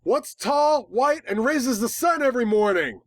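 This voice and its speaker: Storybook hero: cocky talking pony played by a man, mocking delivery, lifted pitch. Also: lively intonation, a little slow, no echo, clean studio sound. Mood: teasing. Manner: sassy, mocking. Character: wisecracking pony narrator character, cocky and mocking.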